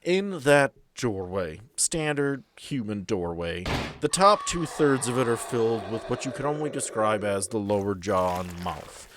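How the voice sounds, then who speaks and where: A man's voice: lowish voice, very animated, measured pace, hardly any pauses, background noise. A man acting as game master, narrating a tabletop game in a casual, descriptive, slangy way.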